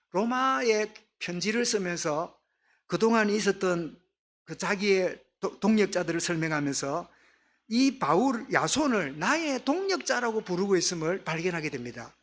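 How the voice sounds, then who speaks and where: A man's voice: high voice, lively intonation, normal speed, fairly bright tone. A male pastor with a Gyeongsang accent preaching a sermon, often asking the congregation questions and answering them himself. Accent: Gyeongsang dialect.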